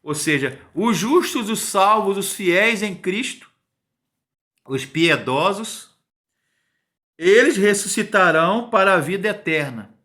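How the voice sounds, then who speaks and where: A man's voice: high voice, expressive, slow, sharp tone. A man in his fifties giving an informal Bible teaching, emphatic and repetitive, often digressing and adding tag questions. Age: 50s.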